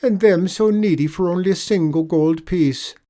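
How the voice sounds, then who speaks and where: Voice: medium pitch, normal speed, dark tone, pitched above the performer's own voice, lightly acted. A storyteller voicing a sly, wheedling male leprechaun with an Irish accent, spinning a pitiful tale in a storybook reading. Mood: coaxing.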